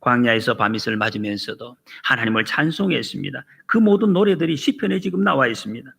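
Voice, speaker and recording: A man's voice: medium pitch, expressive, fast, gravelly, a bit bright, breathy edge. A male pastor preaching a Sunday sermon with emphatic swings in delivery, acting out quoted lines. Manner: emphatic, rises and drops sharply, acts out quotes. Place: church sanctuary. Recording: long church reverb.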